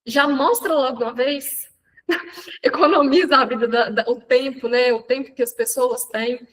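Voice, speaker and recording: A Brazilian Portuguese-speaking woman mentoring an audience in a live online talk, chatty and animated, often restarting her sentences. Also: high voice, moderate pace, poor audio.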